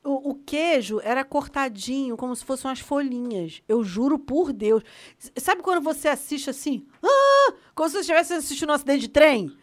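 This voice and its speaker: A woman in her thirties with a Brazilian Portuguese accent, co-hosting a podcast in animated casual chat and swearing freely. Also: high voice, brisk. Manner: animated, swearing, frequent laughter. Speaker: podcast co-host.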